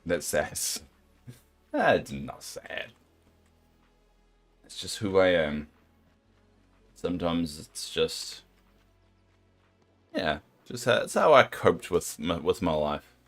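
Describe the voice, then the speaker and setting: A young adult man with a New Zealand accent and a deep, soothing voice, chatting casually and self-deprecatingly with his viewers while playing a game. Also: very animated, slow pace, long pauses, fairly bright tone, faint music behind. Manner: rambling, self-deprecating, sympathetic. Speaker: game streamer.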